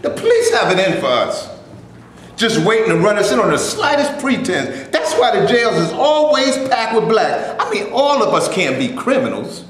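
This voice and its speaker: An actor in a staged reading playing an earnest, heated Black actor from the 1930s who wants justice. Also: male voice, high voice, big pitch swings, moderate pace. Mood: indignant. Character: Black male actor in the 1930s, indignant and determined. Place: stage before a live audience. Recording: very echoey room, faint noise.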